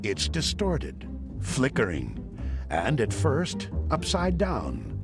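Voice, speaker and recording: A man's voice: mid-range voice, huge pitch swings, slow, creaky. A man reading scripted, dramatic documentary narration. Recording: studio narration over prominent music.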